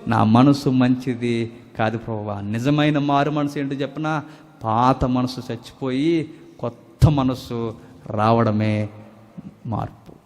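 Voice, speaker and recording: A man's voice: steady tone, slow, long pauses. Male preacher in a reverberant hall. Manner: dramatic, swinging from loud pleading to hushed low lines; quotes scripture in an impassioned, imploring tone. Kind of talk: sermon.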